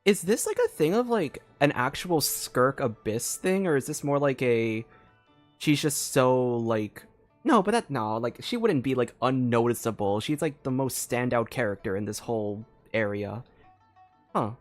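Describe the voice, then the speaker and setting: Woman game streamer, really deep voice, casual and reactive, pitch jumps around, faint music. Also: expressive, unhurried, a little mellow. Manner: informal, reactive, thinks aloud. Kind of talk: casual live gameplay commentary.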